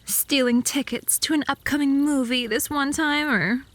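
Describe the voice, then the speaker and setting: A woman voicing a haughty, jealous vampire woman in an ASMR roleplay, snide and mocking in a deliberate delivery, close to the microphone. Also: sits high, fairly even intonation, lightly acted. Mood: scornful. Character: haughty, jealous, sharp-tongued vampire woman, obsessive stalker. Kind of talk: ASMR roleplay, comic bickering.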